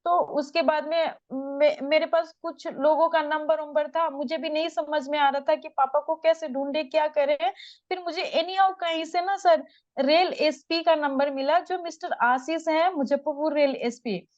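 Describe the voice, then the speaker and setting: High-voiced young woman, urgent testimony. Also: steady tone, a little slow, no room sound, highs cut off. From Bihar, India. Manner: urgent, distressed retelling, addresses the interviewer as sir. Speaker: interviewee. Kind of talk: emotional testimony in an interview.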